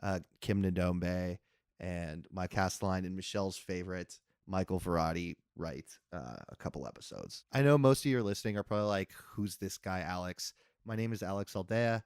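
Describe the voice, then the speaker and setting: A man's voice: low voice, moderate pace, a little mellow, clean tone, no echo, clean studio sound. A man explaining things casually as a podcast producer and guest, with informal phrasing. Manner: informal, peppered with "like".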